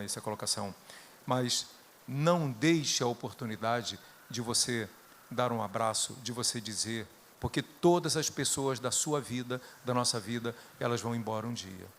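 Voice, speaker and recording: A middle-aged man with a Brazilian Portuguese accent preaches through personal stories. His voice sits at an ordinary pitch, climbing to loud bursts and then sinking to hushed, quiet tones. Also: creaky, a little hiss or hum. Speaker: guest preacher.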